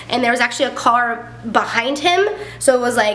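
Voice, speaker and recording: An American-accented woman's voice with ordinary pitch variation, audible room echo, and noticeable background noise. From Ohio, US Midwest. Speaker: YouTube vlogger. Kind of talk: casual chat. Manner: animated.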